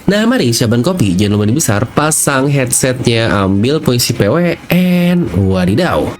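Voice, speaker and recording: A man's voice: medium pitch, big pitch swings, normal speed, a little hiss or hum. A man giving a casual, chatty explainer commentary as a video host, addressing viewers directly and drawing out the ends of phrases.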